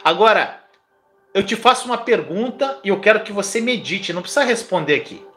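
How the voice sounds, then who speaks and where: Fervent high-voiced preacher. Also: male voice, animated, brisk, sharp tone, faint music behind. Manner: fervent, urging listeners to repeat declarations aloud. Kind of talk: live-streamed sermon.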